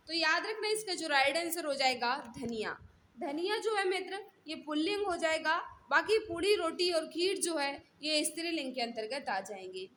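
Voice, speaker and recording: High, bright-voiced woman teaching. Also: slight background noise. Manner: instructional, repeats questions and set phrases. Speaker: teacher of an online exam-prep class. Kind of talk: live mock-test lesson, questions and answers.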